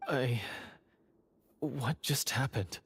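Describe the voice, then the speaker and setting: A man's voice: medium pitch, extremely slow, a little hiss or hum. Troubled young male treasure hunter. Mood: dazed. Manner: hesitant, dramatic. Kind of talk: video game voice acting.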